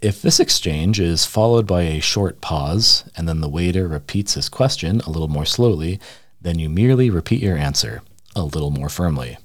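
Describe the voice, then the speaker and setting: Very low voiced guy reading a funny essay, deadpan and mock serious, dry close sound. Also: moderate pace, no echo. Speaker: radio essayist. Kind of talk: humorous essay read aloud.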